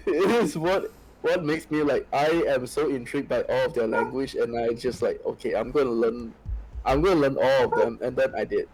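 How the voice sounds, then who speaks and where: A man with an average-pitched voice chats casually. He rambles along, stringing thoughts together with plenty of fillers. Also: moderate pace, darkish tone, poor audio. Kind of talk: casual chat.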